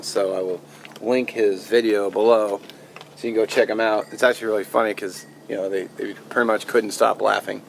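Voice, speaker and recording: A man's voice: on the low side, creaky, a little hiss or hum. A man hosting a challenge video, chatting casually to viewers. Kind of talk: casual vlog chat. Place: outdoors.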